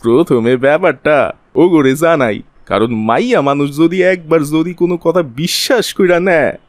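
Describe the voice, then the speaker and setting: Cartoon scheming conman, male actor: Bangladeshi accent, slightly high pitch, wheedling colloquial delivery, dry close sound. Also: moderate pace, no echo, lightly acted. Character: scheming city man, sly profiteer spreading virus panic. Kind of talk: Bengali cartoon voice acting.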